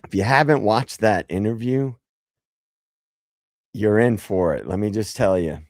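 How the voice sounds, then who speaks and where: A hoarse man with a very low voice hosts a late-night livestream. He talks slowly and loosely, joking and swearing. The sound is close and dry. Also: darkish tone, dry recording. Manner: loose and profane, jokey. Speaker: livestream host. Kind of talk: casual livestream chat.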